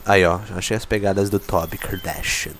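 Over faint game music and a slight hiss or hum, a man with a deep voice speaks at a moderate pace while playing a video game. He's an excitable let's play commentator who swears a lot and keeps making fun of the game.

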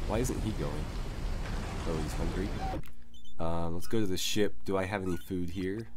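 Deep-voiced man narrating his gameplay. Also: noisy background. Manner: relaxed, thinking aloud with many fillers. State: recovering from lost voice. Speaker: let's play host. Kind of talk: casual gameplay commentary.

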